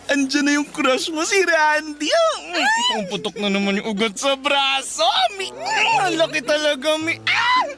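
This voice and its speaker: An actor playing a flamboyant, teasing gay best friend in a comedic radio drama, campy and full of exclamations. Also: male voice, very high voice, huge pitch swings, a little slow, few pauses, loud music behind the voice, full character voice. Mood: shrieking, swooning. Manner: campy, exclamatory, shrieking outbursts.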